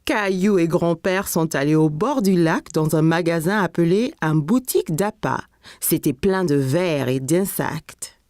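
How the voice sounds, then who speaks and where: Slightly low-voiced woman narrating children's story. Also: unhurried, a little mellow, no echo, studio quality.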